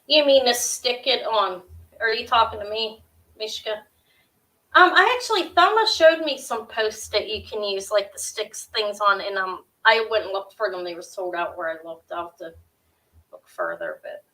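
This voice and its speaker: A middle-aged woman with a sharp, high-pitched voice, hosting a live jewelry auction from her desk at home, chatty and scattered with lots of ums and quick restarts. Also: big pitch swings, rough recording. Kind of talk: casual live-stream selling. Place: small home room with shelves of jewelry displays.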